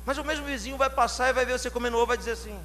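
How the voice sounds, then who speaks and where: A man from São Paulo with a São Paulo Portuguese accent, preaching a sermon, questioning the congregation and building to loud shouted climaxes. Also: very high voice, fairly even intonation, very fast. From São Paulo, Brazil. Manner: asks the congregation direct questions. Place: church hall. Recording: long hall reverb, faint hum.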